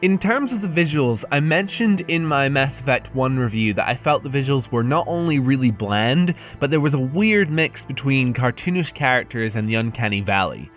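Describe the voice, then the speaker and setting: A man's voice: mid-range voice, expressive, moderate pace, hardly any pauses, a bit bright. Man narrating a video review over music. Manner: conversational, candid, wry, mildly sweary. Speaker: game reviewer and host.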